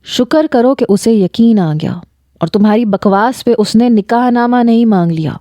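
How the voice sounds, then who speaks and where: A woman's voice: a little high, mellow, no echo, clean studio sound, close to an everyday voice. A woman reading a story aloud and voicing a stern, short-tempered man who gives harsh orders. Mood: angry. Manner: harsh, commanding, scolding.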